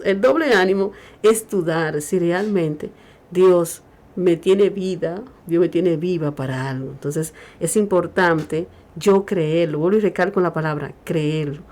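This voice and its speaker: A woman's voice: on the low side, measured pace, a little mellow. A woman co-hosting a Christian radio talk show, preaching emphatically and raising her voice when she quotes scripture.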